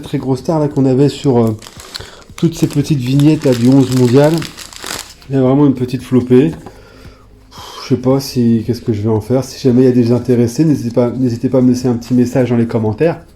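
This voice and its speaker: A man's voice: medium pitch, steady tone, a little fast, dark tone, slight background noise. A man chatting casually in a vlog, reading off long lists of names with plenty of fillers. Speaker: YouTuber showing his old football card collection.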